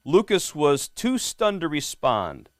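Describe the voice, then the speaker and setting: A man's voice: fairly high pitch, huge pitch swings, slow pace, dry recording, studio quality. Friendly middle-aged man reading to kids. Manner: friendly, quizzing the kids, often asks "right?". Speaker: police lieutenant reading to students. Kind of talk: reading a picture book to a class. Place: elementary school classroom.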